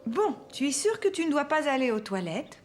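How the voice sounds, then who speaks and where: A woman's voice: high voice, big pitch swings, normal speed, soft background music. A woman voicing a kind, patient young mother in a French children's cartoon. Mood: attentive.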